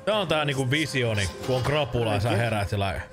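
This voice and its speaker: A man's voice: mid-range voice, over music. A man in his thirties streaming a game, chatting casually, joking and swearing often. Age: 30s. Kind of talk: casual let's-play commentary.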